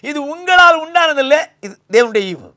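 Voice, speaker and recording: An older pastor with a Tamil accent preaches a sermon at normal speed with lively intonation, recorded on a lapel mic in a small indoor studio. He swings between loud emphasis and low, quiet lines.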